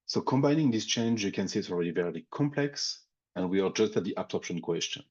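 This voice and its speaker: A man's voice: lowish voice, animated, quick pace, a little mellow, slightly rough, muffled recording. A man with a French accent presenting a technical webinar, thinking aloud with frequent fillers and restarts. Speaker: industry expert presenting a webinar.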